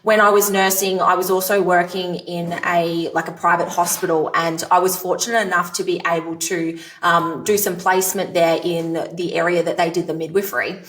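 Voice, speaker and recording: A woman's voice: fairly low pitch, level tone, moderate pace, few pauses, fairly bright tone, distant mic. A woman in her thirties from Australia with a rural Australian accent, a coach chatting as a podcast guest in an upbeat, explanatory way. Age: 30s. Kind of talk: podcast interview conversation.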